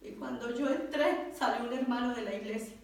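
A woman with a Colombian accent gives an emotional testimony from the pulpit and acts out each voice as she goes. Her voice sits high. The sound is very echoey and distant, as if taped across a large church. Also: brisk, creaky, a little mellow. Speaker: preacher. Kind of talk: testimony sermon. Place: church hall.

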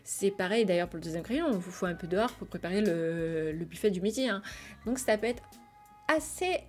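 Woman vlogger, casual chatty voice-over, mid pitch, soft music bed. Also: lively intonation, brisk. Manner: chatty, many fillers and restarts. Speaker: vlogger reviewing restaurants. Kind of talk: voice-over review, partly read descriptions.

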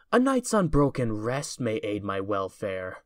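A woman's voice: extremely low pitch, huge pitch swings, slow, dry recording, full character voice. A woman playing a proud, guarded young man in a fan audio drama, with a haughty, dry and formal manner.

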